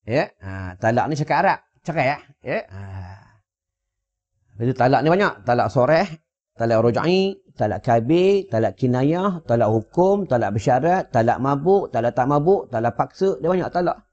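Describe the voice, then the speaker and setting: A man's voice: medium pitch, lively intonation, moderate pace, a little mellow. A man giving a sermon with humorous asides, often asking if listeners understand, recorded indoors at home on a wireless lapel mic. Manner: rhetorical, keeps checking listeners follow. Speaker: religious teacher. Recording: dull lo-fi sound.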